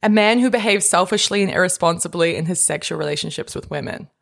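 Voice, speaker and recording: A young adult woman co-hosting a podcast in casual, playful chat, wry and quick to laugh. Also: on the low side, vocal fry, a bit bright. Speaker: podcast co-host.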